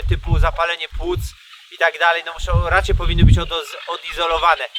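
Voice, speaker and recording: A man's fairly quick speech with noticeable background noise. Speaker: poultry keeper, video host. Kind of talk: casual tutorial. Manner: hesitant, many fillers.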